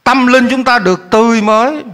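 Man, pastor, high voice, lively questioning sermon. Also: fairly quick. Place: church hall. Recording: echoey church hall.

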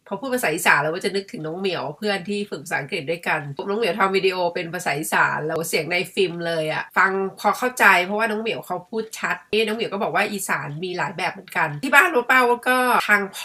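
Middle-aged Thai woman vlogger, bright tone, rambling and conversational. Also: medium pitch, quick pace, hardly any pauses. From Thailand. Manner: chatty, musing, refers to herself by her own nickname. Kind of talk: casual chat to camera.

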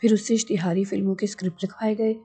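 A woman narrating an audio novel with even, measured storytelling over faint background music. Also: medium pitch, husky.

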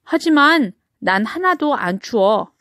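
Woman voicing a cheery baby boy penguin, high childlike voice, storybook, dry close sound. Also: very animated, slow pace, a bit bright, no echo, exaggerated voice. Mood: cheerful. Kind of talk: storybook character voice.

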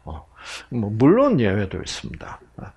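A man's voice: fairly low pitch, moderate pace, vocal fry, slightly rough. A middle-aged man giving a health lecture to an audience, acting out quoted voices. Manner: animated, acts out quoted voices.

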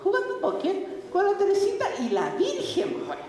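A woman, telling personal faith stories in an animated way, laughing often and acting out the people she quotes. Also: very high-pitched, measured pace, over a noisy crowd. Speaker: speaker giving a faith testimony. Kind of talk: religious talk with personal stories. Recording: echoey hall with faint background noise.

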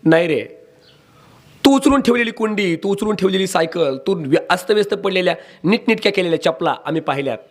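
A man voicing an older company boss who calmly explains why he chose a young applicant. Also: sits high, fairly quick. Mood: approving.

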